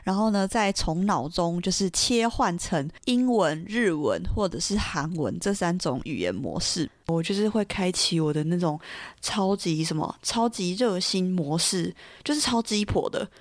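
A young Taiwanese woman hosts her podcast in a chatty, animated way, with a Taiwanese Mandarin accent and easy laughter. Her voice sits a little on the low side, and the recording is close and dry with no room sound. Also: normal speed, dry recording. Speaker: podcast host. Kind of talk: casual storytelling podcast.

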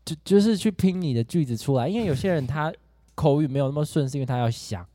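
A man's voice: fairly high pitch, quick pace, mellow, no echo. A man co-hosting a casual podcast chat, playful and exaggerated in how he talks. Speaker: podcast co-host.

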